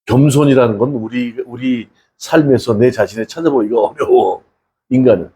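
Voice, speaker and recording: A man's voice: mid-range voice, normal speed, mellow, slightly rough. A male pastor giving a conversational sermon, asking the congregation many rhetorical questions and acting out the people in his stories. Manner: acts out quoted people in a casual spoken tone.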